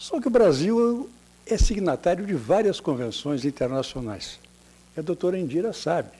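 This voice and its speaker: A man speaks at a moderate pace in a high pitch with very wide swings. His tone is dark and mellow. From Brazil. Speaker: former judge and law professor; former judge, law professor. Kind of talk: conference speech. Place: hall. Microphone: podium.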